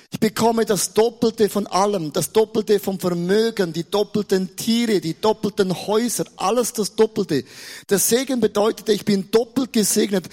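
A man's voice: sits high, a little mellow. A man from Switzerland with a Swiss German accent preaching a playful sermon, stumbling over repeated words and joking with the audience. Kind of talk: lively humorous sermon.

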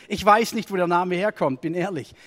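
High-voiced preacher in a reverberant hall. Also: male voice, normal speed. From Germany. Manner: storytelling sermon with swings between raised emphasis and quiet asides. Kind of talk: sermon.

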